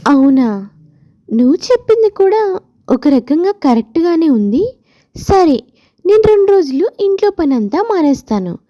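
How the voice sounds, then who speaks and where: Woman voicing an aggrieved daughter-in-law, high and lively. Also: moderate pace, long pauses, dull audio. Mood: hesitant agreement. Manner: complaining, argumentative. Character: aggrieved, defiant young married daughter-in-law and mother.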